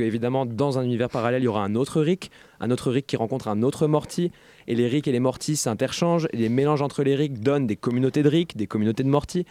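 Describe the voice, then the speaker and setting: Male panelist, rapid, warm low timbre, dry sound, eager explainer. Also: no echo. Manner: enthusiastic, explaining at length. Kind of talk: casual panel chat.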